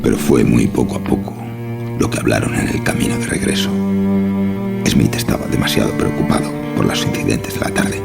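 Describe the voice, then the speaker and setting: A man's voice: rumbling low, very animated, fairly quick. A man narrating a scripted horror story. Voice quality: gravelly. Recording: music behind the voice.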